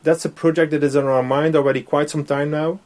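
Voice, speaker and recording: A man's voice: a little high, flat delivery, fairly quick, darkish tone. A man whose first language is Dutch, speaking English in a casual interview with many fillers and frequent laughs. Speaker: interview guest, software developer.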